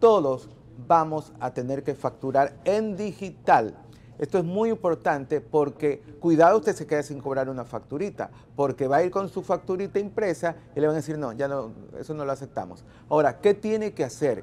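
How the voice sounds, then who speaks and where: This man keeps his intonation lively. His pace is moderate. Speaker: TV show host. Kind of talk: TV host announcement to camera. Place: studio. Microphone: lapel.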